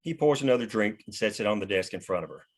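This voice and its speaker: Male narrator, lowish pitch, screenplay stage directions, table read. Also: expressive, quick pace.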